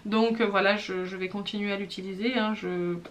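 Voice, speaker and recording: A woman's voice: medium pitch, fairly even intonation, fairly quick, a little hiss or hum. A woman in her thirties chatting casually about beauty products in a vlog, teasing herself, with lots of fillers and restarts. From France. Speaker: beauty vlogger.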